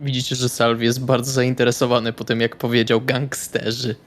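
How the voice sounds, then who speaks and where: A man's voice: medium pitch, little pitch movement, a little fast. A man playing a tabletop role-playing game, speaking in short casual remarks. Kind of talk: casual role-play chat.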